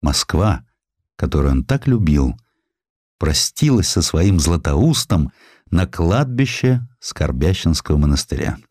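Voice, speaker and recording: A man reading a historical essay as a scripted, dramatic literary narration, in an expressive, theatrical storytelling manner. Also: low-pitched, measured pace, no room sound, clean studio sound. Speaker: audiobook narrator.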